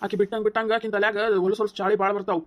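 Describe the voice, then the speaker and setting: A woman's voice: mid-range voice, flat delivery, very fast, lightly acted. Woman voicing a hot-headed young village husband. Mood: scolding. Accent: North Karnataka Kannada. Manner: scolding, insistent, lecturing. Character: heated young husband defending his wife against his mother.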